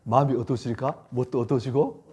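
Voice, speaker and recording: A male pastor preaching a sermon, emphatic and repetitive, swinging between loud lines and hushed ones. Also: medium pitch, fairly even intonation, fast, slightly rough. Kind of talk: sermon at a church retreat.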